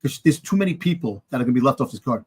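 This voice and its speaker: Guy chatting sports on a podcast, normal pitch, keeps groping for the right word. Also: expressive, husky. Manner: halting, groping for words. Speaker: wrestling podcast co-host. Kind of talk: casual sports discussion.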